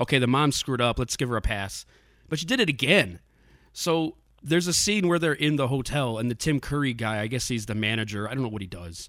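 Over a silent background in a very clean recording, a man talks very fast at a medium pitch, his tone bright and sharp and his intonation lively. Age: 40s. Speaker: podcast host. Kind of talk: casual chat; show intro and outro. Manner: animated, laughing.

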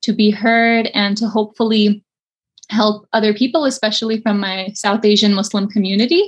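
Somewhat breathy, the woman speaks at a fairly high pitch. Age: 20s. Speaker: mental health educator. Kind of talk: casual chat.

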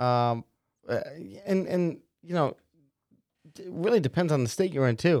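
This man's voice sits fairly high, with lively intonation and long, frequent pauses. The sound is dry and close, with no echo. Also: moderate pace, big swings in loudness. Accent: New Jersey. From US Northeast, New Jersey. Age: 20s. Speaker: first-time home buyer, currency trader. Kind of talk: casual interview chat.

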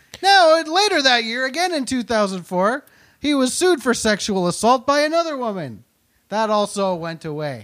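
A man at an extremely high pitch with very wide pitch swings, at a moderate pace. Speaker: comedian guest. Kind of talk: casual comedy chat.

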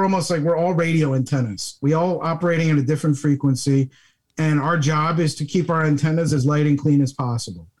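A man talks at a fairly quick pace with a fairly high pitch and ordinary pitch variation. He has an ordinary speaking voice. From US Northeast, South Jersey. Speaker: wellness coach. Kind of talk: casual interview.

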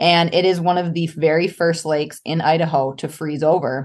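With an Upper Midwest accent, a woman speaks in a very deep, low pitch with fairly even intonation. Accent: Upper Midwest (Minnesota). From Minnesota, Duluth. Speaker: ice fishing angler and outdoor gear model. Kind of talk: casual interview.

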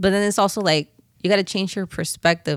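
This voice has a New Jersey accent, a moderate pace and ordinary pitch variation. The recording is very clean with a silent background and a dry, close sound with no echo. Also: woman. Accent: New Jersey American. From New Jersey, Union City and Clifton. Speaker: music producer and dancer. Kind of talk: casual chat.

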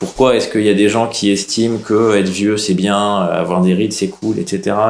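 Over noticeable background noise, a man talks at a fairly slow pace with a fairly low pitch. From France. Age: 40s. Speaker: consultant and blogger on ageing. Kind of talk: casual interview. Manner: halting, many repetitions and fillers.

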